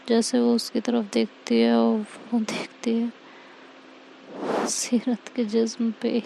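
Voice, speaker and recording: Slow gravelly woman narrating a story. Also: on the high side, mellow, slight background noise. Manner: reads all characters herself, correcting slips of names.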